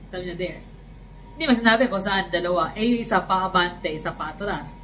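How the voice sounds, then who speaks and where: Filipina vlogger, casual storytelling, animated, faint background ambience. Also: female voice, on the low side, fast, a little hiss or hum, rough recording. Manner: animated storytelling, switching into English quotes. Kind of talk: casual chat.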